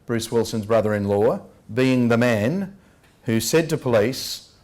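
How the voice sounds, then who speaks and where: An Australian man delivering an investigative lecture in an emphatic, rhetorical manner, leaning on key words with deliberate stress. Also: medium pitch, animated, darkish tone. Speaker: public speaker, lecturer. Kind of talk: public address, investigative lecture. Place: public talk at a venue.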